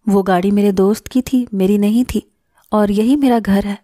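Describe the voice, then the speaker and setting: A cocky young mechanic husband with a mocking edge, read by a woman narrator. The voice sits dark and mellow, recorded dry and close with no room sound, in the manner of a scripted audio story. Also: medium pitch, steady tone, dry recording, natural voice. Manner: mocking, laughing tone at times.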